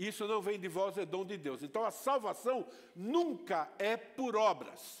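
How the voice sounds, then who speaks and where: A man talks at a fairly slow pace in a high pitch. His intonation rises and falls in a lively way. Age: 60s. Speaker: pastor. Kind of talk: sermon. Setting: church service.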